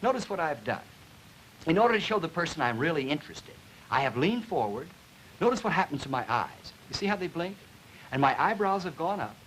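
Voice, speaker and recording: A noisy 1950s educational film soundtrack carries a man's fairly high, widely swinging voice. He lectures as a linguistics teacher, emphatic and deliberate, stressing key words as he explains. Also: very animated, fairly bright tone.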